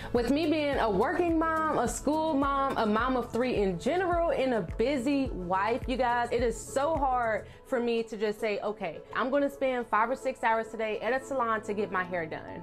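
A woman's high-pitched voice at a moderate pace with hardly any pauses, clear music in the background. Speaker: vlogger. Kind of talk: casual vlog chat. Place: home room. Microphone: lapel.

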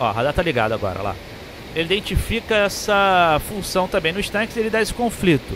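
Lively intonation at a fairly quick pace over noticeable background noise. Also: man, high pitch for a man. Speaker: gaming youtuber. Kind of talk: gameplay tutorial. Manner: casual, talkative.

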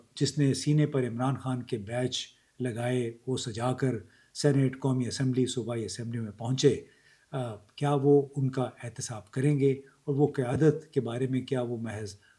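A man talks at a very slow pace with fairly even intonation. His tone is dark and mellow, somewhat breathy, over a quiet background. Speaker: political commentator. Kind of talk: political commentary monologue. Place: home room. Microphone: phone near.

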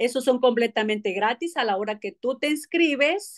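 A woman speaks in a high voice with lively intonation against a quiet background. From Guatemala. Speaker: direct sales representative. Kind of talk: sales pitch. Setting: group call. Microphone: video call.

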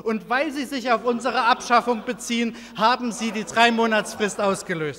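Projecting a raised voice at an extremely high pitch, a man talks at a moderate pace with hardly any pauses and fairly even intonation over noticeable background noise. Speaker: city councillor. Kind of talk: council debate speech. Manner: heated.

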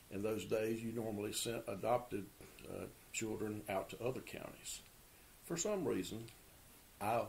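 A man speaks at a moderate pace with a fairly low, somewhat breathy voice. Long, frequent pauses break up his speech over light background noise. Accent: eastern North Carolina. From eastern North Carolina, Goldsboro; North Carolina. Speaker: oral history interviewee; interviewee. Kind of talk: interview. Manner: hesitant with frequent fillers.

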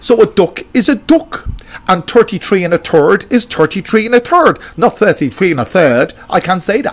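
A man speaks in an Irish accent, his high voice swinging very widely in pitch. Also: moderate pace. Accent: Irish (Hiberno-English). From Dublin, Ireland. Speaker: English teacher. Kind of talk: casual talk to camera.

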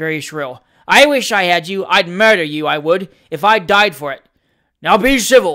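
A man puts on a shrill character voice pitched high, moving at a fairly slow pace with hardly any pauses. The recording is very clean, with a silent background. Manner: furious, threatening.

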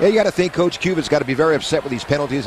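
There's noticeable background noise behind this man. He has an American accent and ordinary pitch variation. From US South. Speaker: color commentator. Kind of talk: live commentary. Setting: broadcast booth at stadium.

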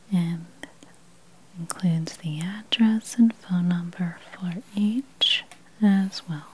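A soft-spoken voice moves at a very slow pace, with a dry sound and no echo. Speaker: presenter. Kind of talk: tutorial. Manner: soft, hushed ASMR speaking voice.

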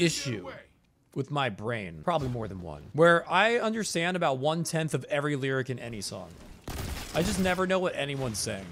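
With an animated, enthusiastic tone, a man speaks at a moderate pace. His fairly high voice makes very wide pitch swings. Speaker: gaming YouTuber and streamer. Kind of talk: casual gameplay commentary. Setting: recorded gameplay voiceover, streaming. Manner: casual, animated, enthusiastic.

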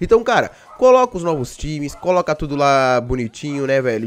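Faint music plays behind this male speaker. He talks at a fairly quick clip. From Brazil. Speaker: gaming YouTuber. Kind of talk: casual vlog commentary. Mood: complaining, opinionated. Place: home room. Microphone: studio mic.

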